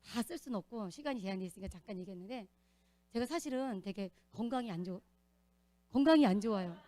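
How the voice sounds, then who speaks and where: A woman giving an earnest, animated testimony as a church deacon, telling her story in a church. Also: medium pitch, quick pace, dry recording.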